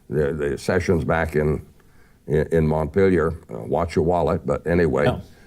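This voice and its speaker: A man with vocal fry speaks at a moderate pace with lively intonation. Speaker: radio personality. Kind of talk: interview answer.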